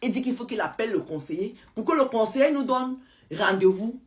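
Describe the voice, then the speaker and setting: A woman's voice: on the high side, a little fast. Woman telling a dramatic story. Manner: lively, retells a follower's account in first person. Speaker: storyteller host.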